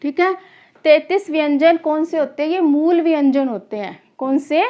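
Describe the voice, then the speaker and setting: A woman's voice: sits high, moderate pace, muffled recording. A woman teaching a grammar class to exam students, who keeps asking questions and answering them herself, repeats key terms, and calls her students children.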